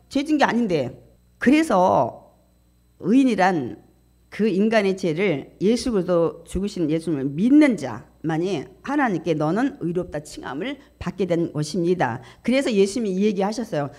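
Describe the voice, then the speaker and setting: A woman pastor delivering a sermon in a church, animated and emphatic, often asking the congregation questions. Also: mid-range voice. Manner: animated preaching with frequent rising emphasis and audience questions. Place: church sanctuary.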